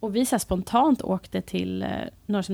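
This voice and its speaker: A woman's dark, mellow tone at a medium pitch and moderate pace, with ordinary pitch variation, in a very clean recording over a silent background. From Sweden, Jönköping. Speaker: founder of a youth care home. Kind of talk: interview. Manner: laughs loudly and often.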